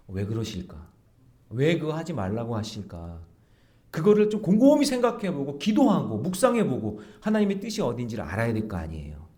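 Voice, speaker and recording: A man's voice: fairly high pitch, a little mellow. A middle-aged man preaching an early morning prayer sermon in a church, asking the congregation questions and acting out the voices he quotes. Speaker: pastor. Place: church sanctuary.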